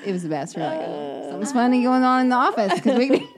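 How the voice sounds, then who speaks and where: A woman co-hosting a podcast, telling stories in a lively, chatty way. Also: fairly high pitch, fast talker, a crowd in the background. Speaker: podcast co-host. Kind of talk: casual chat.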